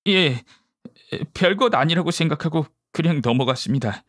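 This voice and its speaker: Guy doing a rattled polite gentleman witness for an audiobook, kinda high male voice, hesitant, very dry sound. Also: lively intonation, normal speed, dry recording. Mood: polite, uneasy. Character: shaken gentleman witness recounting a family horror. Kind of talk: audiobook character dialogue.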